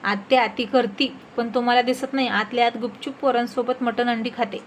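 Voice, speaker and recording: Woman voicing a scheming sweet-talking village wife, sly needling tone, high voice. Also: steady tone, fairly quick, a little hiss or hum, natural voice.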